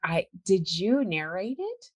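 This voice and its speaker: A chatty, upbeat American woman from California hosts a relaxed interview over a video call. Her voice sits at a middling pitch, and she talks in a loose, conversational way, laughing often. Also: takes it slowly. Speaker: podcast host. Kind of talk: casual interview chat.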